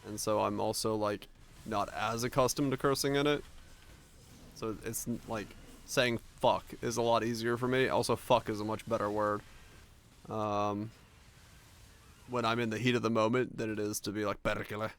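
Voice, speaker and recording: In a steady, low-ish voice at a moderate pace, a young Finnish streamer with an American accent talks casually with viewers. Finnish is his native language; his talk is rambling, profane and full of restarts.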